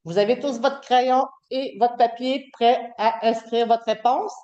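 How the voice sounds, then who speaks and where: A woman's voice: fairly high pitch, steady tone, measured pace, dark tone, reverberant, highs cut off. A middle-aged woman with a Québécois French accent, giving a guest lecture to a university class in a chatty, hesitant way with many fillers and restarts.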